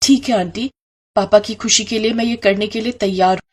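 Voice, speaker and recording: A woman's voice: mid-range voice, steady tone, fairly quick, breathy edge, voice pushed up, natural voice. A woman voicing an innocent, anxious young daughter in a cartoon story, plaintive and pleading. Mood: sad, trusting.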